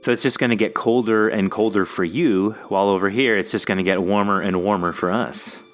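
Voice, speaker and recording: A man's voice: fairly low pitch, fairly even intonation, brisk, soft background music. A middle-aged American man hosting a podcast, chatting casually as he interviews a guest. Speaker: podcast host.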